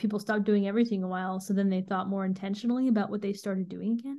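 In an American accent, a woman talks at a very fast pace with a dark, mellow tone, recorded very cleanly against a silent background. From Oregon. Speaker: podcast co-host.

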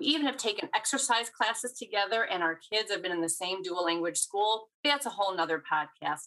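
With an American accent, a woman talks at a fairly quick pace in a medium pitch, her tone bright and sharp and her intonation lively. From Chicago area. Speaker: co-host, photo organizer. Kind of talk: casual interview chat.

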